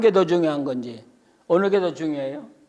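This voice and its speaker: A man speaks with ordinary pitch variation. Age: 80s+. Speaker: pastor. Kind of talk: sermon. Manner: animated. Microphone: no microphone.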